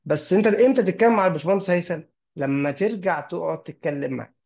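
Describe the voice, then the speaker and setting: A man with an Egyptian accent, a sales consultant talking in an online meeting, animated and giving numbered tips with rhetorical questions. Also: sits high, racing, vocal fry. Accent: Egyptian Arabic. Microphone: video call. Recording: lo-fi video call audio.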